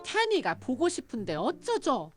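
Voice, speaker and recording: A woman's voice: sits high, huge pitch swings, normal speed, over music. A woman joining a livestream with joking casual banter. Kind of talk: casual chat.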